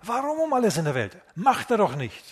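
A man preaching a lively sermon, talking casually to his listeners and often asking them questions. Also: high voice, brisk, husky. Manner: animated, acts out voices of biblical figures; conversational, asks the congregation questions.

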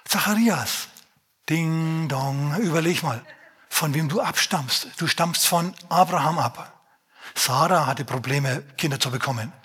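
Husky-voiced man preaching a lively sermon. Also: fairly high pitch, measured pace. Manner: lively, conversational, addresses congregation directly with rhetorical questions.

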